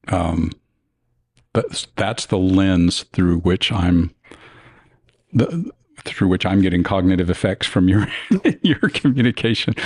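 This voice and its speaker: An American man in thoughtful casual conversation, affirming others and piecing his sentences together haltingly. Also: sits low, a little mellow, no room sound, clean studio sound. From United States.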